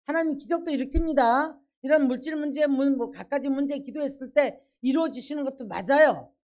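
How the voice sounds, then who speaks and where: Woman pastor, middle-aged, high voice, emphatic preaching style that voices quotes. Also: a little fast, darkish tone. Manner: preaches with acted quotes and emphatic rhetorical questions. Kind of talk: sermon.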